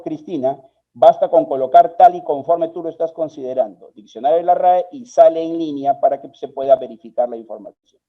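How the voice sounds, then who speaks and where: A man from Peru gives an online workshop lecture on spelling and grammar, explaining each rule step by step. His voice sits a little high for a man. The stream audio is slightly dull and lo-fi. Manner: patient, explanatory, answers viewers' questions by name. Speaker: spelling and writing instructor.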